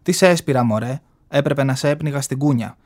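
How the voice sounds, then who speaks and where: A man's voice: mid-range voice, darkish tone, close to an everyday voice. A man reading aloud from a novel in the voice of an aging, flamboyant gay man who tells his story in a sassy, mocking way, in a radio studio.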